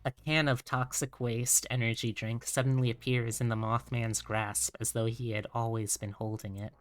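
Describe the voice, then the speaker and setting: A woman's voice: a bass voice, flat delivery, moderate pace, soft background music. A woman streamer talking casually and reading a visual novel aloud on a livestream.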